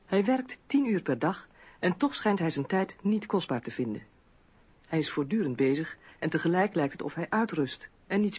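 A woman's voice: on the low side, breathy edge, dry recording, dull audio. A woman playing an admiring eighteenth-century French salon hostess, reading out a portrait in an articulate way for radio drama.

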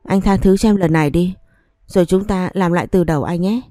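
A woman's voice: on the low side, brisk, dark tone, no room sound, clean studio sound, soft background music, close to an everyday voice. A woman reading a story aloud, voicing a scheming young wife who coaxes and pleads with her husband. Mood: pleading. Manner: coaxing and pleading.

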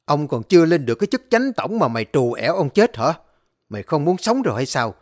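A man voicing a hot-tempered older male landowner who scolds and shouts at a servant in a spoken story. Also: on the high side, big pitch swings, fast talker. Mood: furious.

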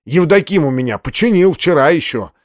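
A man voicing a fat, fawning older landowner in an audiobook, speaking low and folksy. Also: lively intonation, fairly quick, no echo, studio quality, close to an everyday voice.

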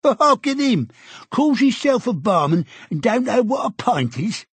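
A man voicing a stubborn, grumbling old man in an audiobook, with a husky, cantankerous, slangy delivery. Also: very high-pitched, very animated, no echo, voice pushed up, exaggerated voice. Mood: indignant. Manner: cantankerous, slangy, drawn-out complaining. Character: grumbling old male London prole, stubborn. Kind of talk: audiobook character voice.

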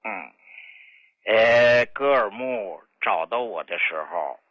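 A man's voice: on the low side, expressive, slow pace, fairly bright tone, no echo. An older man, a traditional medicine doctor telling a patient's story on a radio health show in a folksy, dramatic way. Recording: dull lo-fi radio broadcast.

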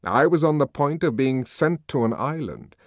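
A man voicing a powerful older controller who lectures in a measured, sardonic way. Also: medium pitch, lively intonation, no echo, studio quality, voice pushed up, natural voice.

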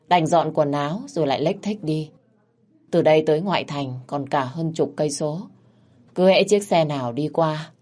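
A woman's voice: low-pitched, mellow. A woman narrating a story in a vivid, colloquial, mocking style.

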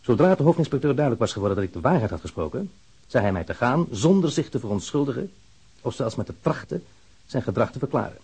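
Radio drama: an aggrieved citizen, formal and measured, dark husky timbre, reading a written complaint. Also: male voice, medium pitch, sing-song, heavily acted. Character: aggrieved male engineer reading his formal complaint letter.

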